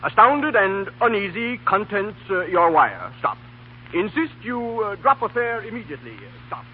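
A stuffy, swooping, disapproving uncle. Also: male voice, high-pitched, very animated. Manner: halting dictation full of uhs, pompous. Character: stuffy, disapproving rich uncle dictating telegrams. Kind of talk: 1930s radio comedy acting. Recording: tinny, noisy 1930s radio recording.

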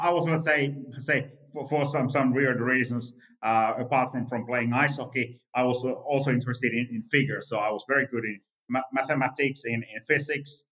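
A man in his fifties with a Finnish accent, a native Finnish speaker answering interview questions in English, halting and full of restarts and repeated "let's say" fillers. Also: mid-range voice, fairly bright tone, rough recording. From Finland. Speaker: guest founder.

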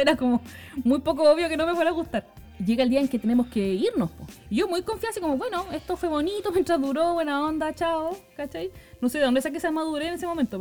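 A young adult woman with a Chilean accent casually telling a story, chatty and full of slang tags. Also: on the high side. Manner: chatty, peppered with slang tags, quick and lively.

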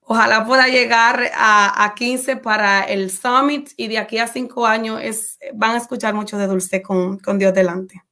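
A guest coach, a woman with a fairly high, pushed and bright voice, speaks quickly in a steady tone. In a casual interview, she gives testimony with fervent religious conviction.

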